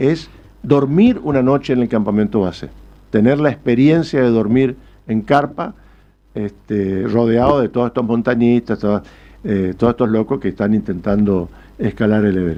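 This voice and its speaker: With a dark, mellow tone, a man at medium pitch speaks at a moderate pace with ordinary pitch variation. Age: 60s. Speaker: mountaineer and trekking guide. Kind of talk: radio interview. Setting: studio, broadcast on radio and TV. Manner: halting, many fillers.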